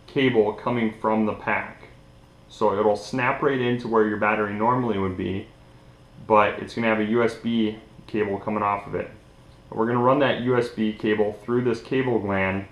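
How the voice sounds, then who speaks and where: The echoey, dull-sounding recording captures a young adult man with a fairly low voice. He leads a casual hands-on DIY tutorial from a table in a small indoor room.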